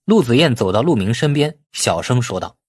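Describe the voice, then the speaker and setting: A male narrator reads a novel as a scripted audiobook. His voice has a husky grain and sits at a medium pitch. The sound is dry, with very little room. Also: sing-song, a little fast, no room sound.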